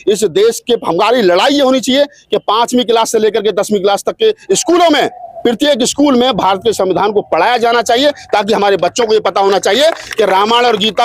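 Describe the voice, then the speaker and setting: A man's voice: high-pitched, no room sound. A man being interviewed, arguing his political views in a fiery, rhetorical and mocking way. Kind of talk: impassioned political argument.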